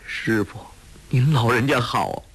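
A man's voice: mid-range voice, measured pace, fairly bright tone, husky. A man voicing a humble middle-aged disciple in a storybook reading, speaking reverently, with emotion in his voice.

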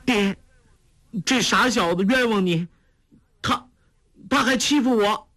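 A man voicing a spirited young woman in a storybook, pleading and coaxing her father in a falsetto. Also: slow, sharp tone, heavily acted. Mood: whining.

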